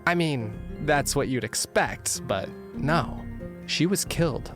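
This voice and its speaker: Actor as chatty guy musing out loud, lively pitch swings, music behind, audio drama promo. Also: slow. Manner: conversational, speculative. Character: chatty person musing on a hotel killing. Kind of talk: audio drama trailer acting.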